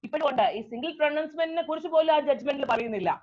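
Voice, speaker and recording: High-voiced woman lecturing on law. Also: dull audio. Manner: explanatory, repeats key terms, slow deliberate English phrases. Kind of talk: law lecture mixing English and Malayalam.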